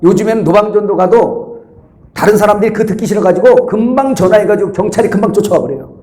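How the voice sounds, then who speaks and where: A male pastor preaches in a high, ringing voice, telling stories with animated energy and playing the voices of the people in them. His delivery is a sermon to a congregation, shifting between teaching and storytelling. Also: fast, roomy sound.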